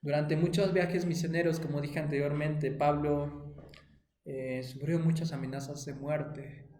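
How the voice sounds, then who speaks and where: A man with a Peruvian Spanish accent leads a children's Bible lesson, his voice pitched a little high. He keeps asking the children questions. The recording is echoey, as if made in a hard-walled room. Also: steady tone, unhurried, darkish tone, slight background noise. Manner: asks the children frequent questions. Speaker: Sunday school teacher.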